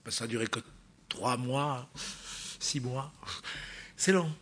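A man delivering a sermon in a church with a husky, slightly rough voice at an ordinary pitch. He preaches emphatically, punching single words loudly and then dropping to quiet asides. He keeps turning to the congregation with rhetorical questions. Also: unhurried. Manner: emphatic, swings from loud stresses to quiet asides.

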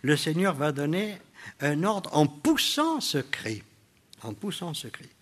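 An older man preaching a sermon, addressing the congregation with rhetorical questions, swinging between loud exclamations and quiet asides. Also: a little high, wildly swooping pitch, takes it slowly.

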